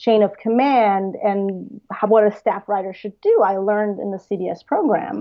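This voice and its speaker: A woman with a German accent, fairly high in pitch, at a moderate pace. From Germany, Bavaria-Austria border. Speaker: TV writer. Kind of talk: interview. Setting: at home, remote interview.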